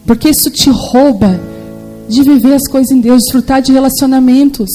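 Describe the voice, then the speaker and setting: A Brazilian woman in her forties preaching a sermon with lively, animated storytelling in which she acts out the voices she quotes. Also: high voice, moderate pace, soft background music, poor audio. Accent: Brazilian Portuguese.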